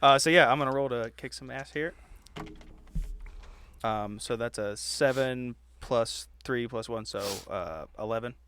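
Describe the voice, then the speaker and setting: A man playing a tabletop game, chatting casually and haltingly as he thinks his moves out loud. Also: mid-range voice, a little hiss or hum.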